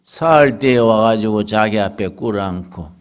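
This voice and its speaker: A man's voice: measured pace, clear, resonant tone. A male pastor preaching a sermon, telling a story dramatically. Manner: dramatic storytelling with big pitch swings.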